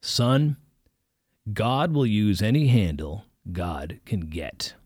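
A man voicing a blunt, gruff older male preacher with a folksy, commanding way of talking. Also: lowish voice, very animated, takes it slowly, a little mellow, dry recording, studio quality, full character voice. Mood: stern.

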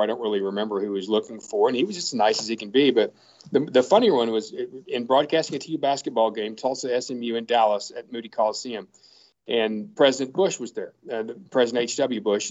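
A man tells lively stories in a relaxed podcast chat, speaking in quick bursts. His voice sits mid-range, and the audio is slightly dull and lo-fi. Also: medium pitch. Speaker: sports broadcaster and podcast regular. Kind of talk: casual storytelling chat.

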